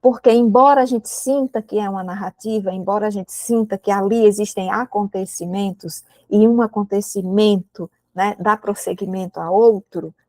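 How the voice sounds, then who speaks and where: A woman with a Brazilian Portuguese accent gives a literature lesson, explaining step by step and often pausing to check that students follow. Her voice sits at a middle pitch and sounds dry and close, with no room echo around it. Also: a little mellow. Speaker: literature teacher. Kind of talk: recorded prep-course lecture. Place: indoor room with a window, rain outside.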